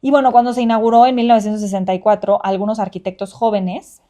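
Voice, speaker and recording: Young Mexican woman, casual podcast co-host; mellow voice, chatty, lots of fillers. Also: medium pitch, level tone, fast. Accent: Mexican Spanish. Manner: chatty, laughs often, many fillers. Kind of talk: casual chat.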